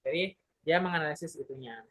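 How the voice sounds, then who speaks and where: Young adult community presenter, casual explainer, husky tone, hesitant delivery with frequent fillers. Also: mid-range voice, fast talker, a bit bright, poor audio. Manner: hesitant, many filler sounds and self-corrections.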